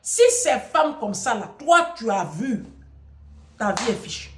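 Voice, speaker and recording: Middle-aged woman, emphatic advice monologue, preachy, repeats for force, highish voice, echoey room. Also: very animated, measured pace, background noise. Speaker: advice speaker addressing her audience.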